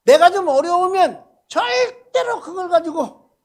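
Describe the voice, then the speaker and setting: An older man preaching a sermon as pastor at a church prayer meeting, speaking in a colloquial way that swings between loud emphasis and soft asides. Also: very high-pitched, animated, a little slow. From Korea.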